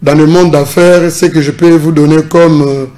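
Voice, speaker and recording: A middle-aged man with a Congolese French accent speaks in a formal, measured way, as a political analyst and businessman would. His pitch sits a little high, but his tone stays mellow and dark. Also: level tone. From Congo Central, DR Congo. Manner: measured, formal, mixes in Lingala. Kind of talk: interview.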